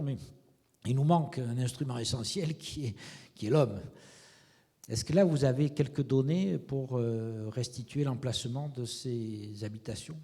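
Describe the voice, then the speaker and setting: A man leading a seminar, asking measured questions and thinking aloud about the findings. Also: mid-range voice, mellow. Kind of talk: academic discussion. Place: lecture hall. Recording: reverberant lecture hall.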